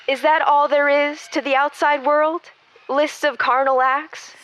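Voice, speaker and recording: A woman acting as a young Amish woman with a high voice, innocent and earnest. She picks quaint, formal words and stumbles gently through them, as a caller on a comedy show. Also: flat delivery. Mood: puzzled, innocent. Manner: formal, quaint, halting phrasing.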